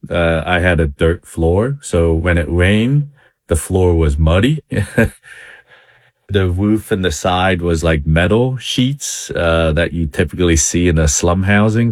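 Deep-voiced man from Vietnam, chatty guest. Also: dry recording, clean studio sound. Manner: conversational, many fillers, chuckles now and then. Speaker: interview guest, business owner. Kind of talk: casual interview storytelling.

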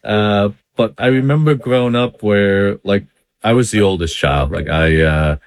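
A Vietnamese man with a lowish voice shares his life story at a measured pace in a casual interview, recorded dry. He's a business owner appearing as a guest, speaking loosely and conversationally with many fillers and the occasional chuckle.

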